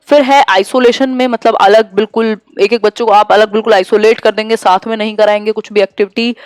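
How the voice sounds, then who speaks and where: A young woman teacher giving an exam-prep lecture, mixing English terms into her explanations and reading the questions out slowly. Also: mid-range voice, fairly even intonation, darkish tone, smooth, dry recording.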